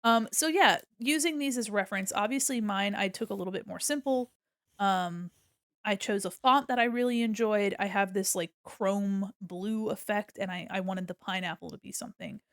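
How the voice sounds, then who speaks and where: A woman streaming from home gives a casual art tutorial, critiquing logo design references while drawing, chatty with plenty of ums and restarts. Slightly sniffly, she talks at a moderate pace in a mid-range, somewhat bright voice. The sound is close and dry, with no room sound.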